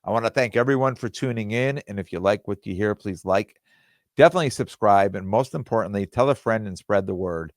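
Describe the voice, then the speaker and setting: A man hosting his own podcast in casual, rambling talk, with plenty of fillers and restarts, and his voice going hoarse. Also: fairly low pitch, a little fast, dry recording, clean studio sound. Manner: quotes other people in dialogue. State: losing his voice. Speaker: podcast host.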